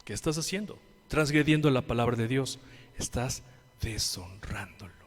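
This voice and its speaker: Mexican man preaching in a reverberant hall. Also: a little fast. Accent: Mexican Spanish. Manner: preaching with rhetorical questions and call-and-response; swings between loud emphatic lines and quiet low ones. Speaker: pastor. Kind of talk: sermon.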